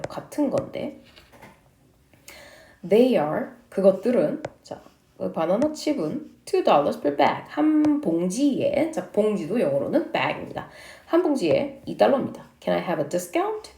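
Lady teaching english, slow careful reading, bouncy pitch, echoey room. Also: gravelly, dark tone. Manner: reads English lines slowly, explains each in Korean. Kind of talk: English lesson, reading and translating dialogues.

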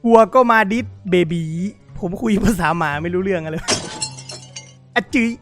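Man, game commentary, excitable, reads chat aloud, music in the background. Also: high voice, normal speed. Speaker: gaming YouTuber.

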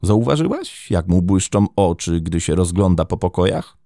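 A man's voice: low-pitched, big pitch swings, moderate pace, warm tone, no echo, studio quality. A man voicing a blunt, suspicious young woman of twenty-four who accuses and urges in a crime story reading. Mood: accusing. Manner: accusing, urgent.

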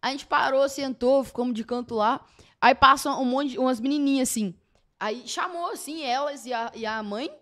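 A young man in casual chat, lively and joking, chiming in to tell his side of a story. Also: very high-pitched, moderate pace. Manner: lively, laughing, chimes in and jokes. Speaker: podcast guest.

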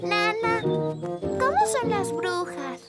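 A woman's voice: extremely high pitch, very animated, very slow, music in the background, heavily acted. A woman playing a curious, polite little fairy girl in a children's cartoon, with a Latin American accent. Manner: inquisitive, polite. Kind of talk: dubbed children's cartoon acting.

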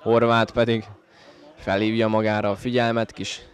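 A man's voice: on the low side, level tone. A man with a Hungarian accent giving conversational live football commentary for the home team. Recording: outdoor stadium with crowd noise. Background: football crowd outdoors.

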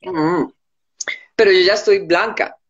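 A woman, answering calmly as a guest on a live video chat from home. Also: fairly low pitch, unhurried, muffled recording, a crowd in the background. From born in the United States, raised in Colombia. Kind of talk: casual live-stream chat. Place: indoor room at home.

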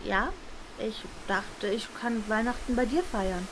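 A woman's voice: fairly high pitch, steady tone, measured pace, background noise, lightly acted. A woman playing an earnest, principled young adult daughter in a naturalistic radio drama. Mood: tentative, casual. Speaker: voice actor in an audio drama.

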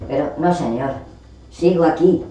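A woman performing a theatrical monologue as a discarded literary character, bitter, self-pitying and indignant, lamenting with dramatic pauses. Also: sits low, warm tone. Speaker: actor rehearsing a monologue. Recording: distant mic, echoey room, faint noise.

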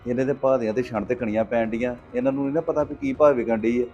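A middle-aged man playing a patient farmer father who gives calm advice. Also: mid-range voice, close to an everyday voice. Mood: advising. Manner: calm, advising, measured. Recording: dull lo-fi sound with faint music.

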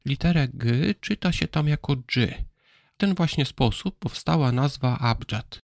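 A man presenting a Bible history program, giving calm, scripted explanations and spelling out letters slowly. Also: mid-range voice, gravelly, dry recording, studio quality. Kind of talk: scripted educational narration.

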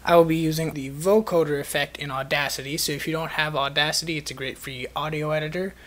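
A man's voice: fairly high pitch, steady tone, quick pace, a bit bright. A man presenting an instructional screencast, explaining the steps as a tutorial narrator.

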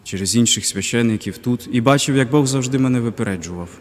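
A young man, a deacon, giving a reflective personal faith testimony in a halting way, pausing often. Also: medium pitch, big-room sound, noisy background. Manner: reflective, halting, with pauses and fillers. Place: cathedral parish.

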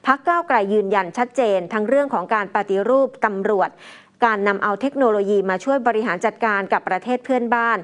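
Female news anchor, fairly high voice, steady formal read. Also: fast talker. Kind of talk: news report reading.

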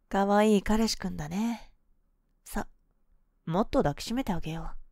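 女性が演じるささやきロールプレイのクールなボーイッシュ女子、ゆっくりした甘い添い寝トーク. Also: female voice, mid-range voice, no echo, clean studio sound. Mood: possessive, sweet. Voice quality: soft, breathy soft-spoken. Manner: coaxing, slow, hypnotic pillow talk. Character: cool boyish young woman, possessive, sweetly manipulative lover. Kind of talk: ASMR role-play, intimate pillow talk. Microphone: close microphone, dry.

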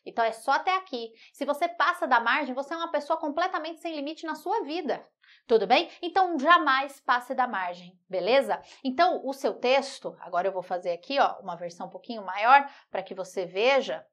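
A young woman teaching an online writing lesson, lively and teasing, asking the viewer rhetorical questions. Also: high voice, a little fast.

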